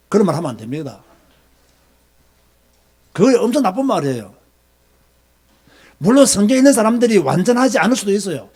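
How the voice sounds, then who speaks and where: A middle-aged man with a Gyeongsang Korean accent, preaching as a pastor in an emphatic, scolding way, firing off rhetorical questions. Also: high-pitched. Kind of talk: sermon lecture.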